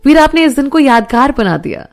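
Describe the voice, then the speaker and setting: A woman's voice: sits high, very animated, brisk, soft background music, pitched above the performer's own voice. A woman voicing a young woman on her birthday, grateful and playful with her boyfriend and cousin. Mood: soft.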